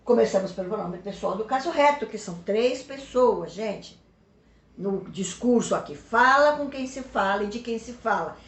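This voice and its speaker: A Brazilian woman teacher with a somewhat high voice leads a recorded remote lesson, patient and encouraging. She draws example words out slowly and keeps checking in with short questions. The room around her sounds roomy and echoey. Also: expressive. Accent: Brazilian Portuguese.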